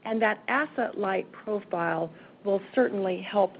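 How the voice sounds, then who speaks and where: A woman's voice: mid-range voice, measured pace. A woman executive giving emphatic, businesslike answers on an earnings conference call. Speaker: company executive. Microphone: conference call line. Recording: narrowband phone line, faint noise.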